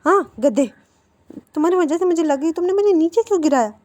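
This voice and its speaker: A woman's voice: sits high, fairly even intonation, a little fast, dark tone, lightly acted. A woman voicing a quarrelsome, easily irritated young man who whines and scolds, in a storybook retelling. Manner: whiny, scolding complaints.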